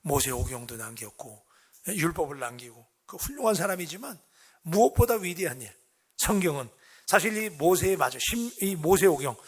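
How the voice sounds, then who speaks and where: A man's voice: fairly high pitch, expressive, moderate pace, breathy edge. A middle-aged man preaching a dawn sermon in a church, talking conversationally and tossing questions to the congregation. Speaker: pastor. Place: church sanctuary.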